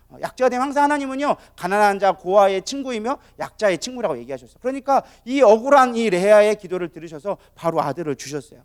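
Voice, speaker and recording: A middle-aged man preaching a sermon as co-pastor, telling the story in an animated way. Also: high voice. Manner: animated, storytelling with acted-out quotes.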